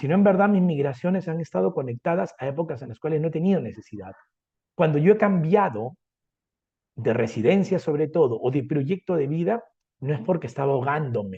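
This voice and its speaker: Somewhat breathy and fairly high-pitched, a man with a Peruvian accent speaks at a fairly quick pace in a dark, mellow tone. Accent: Peruvian accent, consciously kept. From Peru, Lima. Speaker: academic, migrant writer. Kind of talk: interview.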